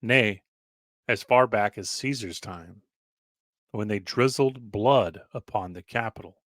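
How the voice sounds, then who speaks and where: A man with a fairly deep voice narrates archival writing in a dramatic read-aloud style. He moves deliberately from phrase to phrase, pausing for emphasis and now and then tripping on a word. The sound is dry, with little room around the voice. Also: a bit bright, no echo. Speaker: narrator reading an old newspaper article aloud.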